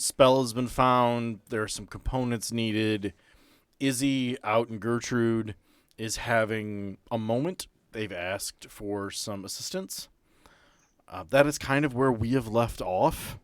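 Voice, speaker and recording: A man's voice: medium pitch, fairly even intonation, slow pace, a bit bright, smooth, dry recording. A man speaking casually as podcast host and game master, bantering and narrating.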